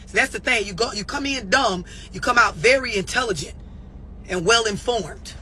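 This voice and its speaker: A man delivers a blunt, profane motivational rant, hammering his points with repetition. His voice sits very high for a man and sounds bright and forceful. Faint noise sits behind him. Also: moderate pace. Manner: emphatic, repeats for effect. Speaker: self-help motivational speaker. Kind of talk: live-stream motivational rant.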